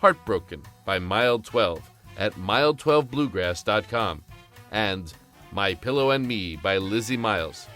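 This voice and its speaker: A man's voice: lowish voice, animated, slow, a bit bright, faint music behind. A man reading scripted credits as announcer for an audio drama.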